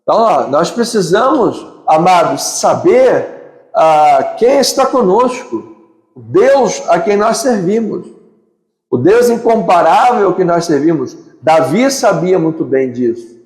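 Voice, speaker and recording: In a church sanctuary full of long, echoing reverb, a Brazilian-accented pastor delivers a slow sermon in a high, darkish voice with big pitch swings. He presses his points with emphatic repeated phrases and lists.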